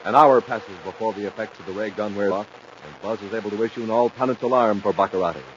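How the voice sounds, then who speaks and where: A man's voice: on the low side, fast, lightly acted. A man narrating a 1950s radio adventure serial in scripted, dramatic style. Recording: muffled, noisy 1950s radio recording.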